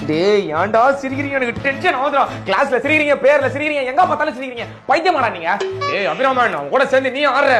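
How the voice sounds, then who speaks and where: A man's voice: extremely high pitch, expressive, fast, hardly any pauses. A man acting in a comedy sketch, scolding and exasperated, like a fed-up tuition teacher. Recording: clear background music.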